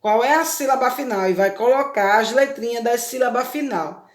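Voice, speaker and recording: A Brazilian woman talks young pupils through a lesson in a patient step-by-step way. She keeps checking that they follow. Her voice sits a little high and carries a roomy echo. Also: moderate pace. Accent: Brazilian Portuguese. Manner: patient, explains step by step with many check questions. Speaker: primary school teacher. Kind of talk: recorded remote lesson for children. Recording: echoey room.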